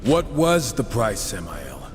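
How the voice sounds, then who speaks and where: A man's voice: on the low side, wildly swooping pitch, slow, slight background noise, heavily acted. An actor playing a wry, irreverent supernatural horseman in a video game, sardonic and casual. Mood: scornful disbelief. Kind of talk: conversational video game character acting. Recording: echoey hall sound with faint music.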